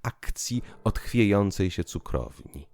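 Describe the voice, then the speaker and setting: A man narrating literary prose in a theatrical, declamatory way, moving between hushed and emphatic delivery. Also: on the low side, lively intonation, takes it slowly, no room sound. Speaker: audiobook narrator. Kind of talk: dramatic literary narration with piano music. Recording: piano music behind the voice. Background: piano music.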